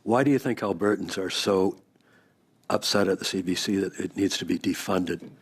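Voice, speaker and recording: Low, gravelly man questioning formally. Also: moderate pace. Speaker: committee member questioning a witness.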